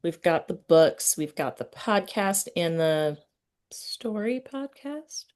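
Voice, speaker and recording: A woman hosting a casual interview, speaking thoughtfully and often pausing mid-sentence to find her words. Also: fairly low pitch, expressive, a little mellow. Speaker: interviewer and host.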